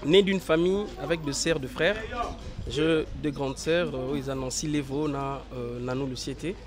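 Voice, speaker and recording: Hoarse young man, hesitant interview talk. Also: medium pitch, steady tone, moderate pace, over music. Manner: hesitant, many fillers and restarts. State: hoarse from a cold. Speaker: interview guest, actor. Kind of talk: casual interview, mixing French and Lingala.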